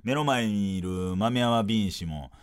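A man with a Kansai accent, hosting a podcast and telling a story in a casual, animated way. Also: a little slow, a little hiss or hum. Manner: animated, sing-song delivery with swooping pitch. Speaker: podcast host, comedian.

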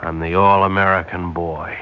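Man voicing a scheming spy, radio drama, sly, sarcastic, lowish voice, muffled old broadcast. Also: level tone, moderate pace, over loud music, lightly acted. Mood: irritable. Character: scheming male spy posing as a loyal engineer. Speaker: scientist on a secret propulsion project. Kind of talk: 1950s radio drama acting. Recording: dull lo-fi vintage radio broadcast.

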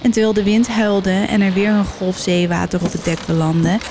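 A woman reads an old sea legend aloud in a measured, dramatic voice that sits at a middle pitch. Faint noise runs under her reading. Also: steady tone. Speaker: storyteller. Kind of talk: scripted narration.

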